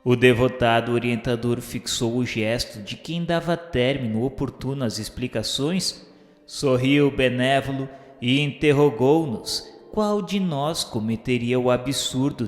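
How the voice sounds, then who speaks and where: A man's voice: mid-range voice, a little slow, lightly acted. A man as an echoing, reverent spirit narrator. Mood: reverent, contemplative. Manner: solemn, reverent, declamatory. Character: reverent male spirit narrator, earnest pupil. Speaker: narrator character. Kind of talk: radio drama literary narration. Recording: echoey, long reverb. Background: music.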